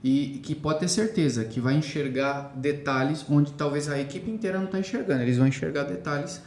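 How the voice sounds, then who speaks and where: A man's voice: on the high side, fairly quick, darkish tone. A man hosting a podcast, addressing listeners persuasively and often restarting his sentences. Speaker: podcast host. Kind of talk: casual podcast conversation. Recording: echoey room.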